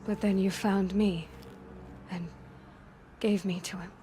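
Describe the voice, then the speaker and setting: An actress playing an earnest young tribal huntress in a video game, questioning in an intent, direct way. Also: female voice, mid-range voice, level tone, takes it slowly, warm tone, a little hiss or hum, close to an everyday voice. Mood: hurt, challenging. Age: young adult. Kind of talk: dramatic video game dialogue. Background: background music.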